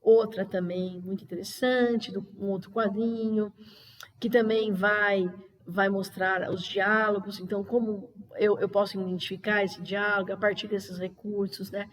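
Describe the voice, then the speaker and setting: A woman's voice: mid-range voice, little pitch movement, moderate pace. A middle-aged woman gives an online training talk to teachers, chatty and loose, with many filler tags and restarts.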